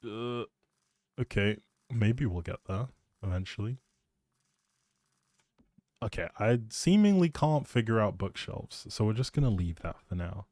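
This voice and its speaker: Low, mellow-voiced man rambling casually. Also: lively intonation, measured pace, long pauses, no room sound. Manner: informal, thinking out loud. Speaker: live streamer. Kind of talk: casual rambling game stream chat.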